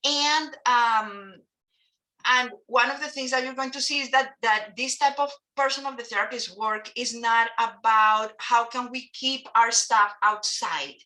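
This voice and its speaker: A woman's voice: fairly high pitch, fairly even intonation, measured pace, sharp tone, poor audio. A woman from Colombia with a Colombian Spanish accent, Spanish her first language, giving a lecture as a family therapist and hesitating with frequent fillers and restarts. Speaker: couple and family therapist presenting a training. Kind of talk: lecture presentation to an audience.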